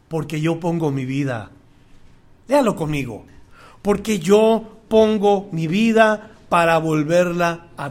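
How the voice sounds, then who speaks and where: High-voiced preaching man, slow and fervent. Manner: preaching, calls out to the congregation; draws out key words, swings from soft to loud. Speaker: pastor. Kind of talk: sermon.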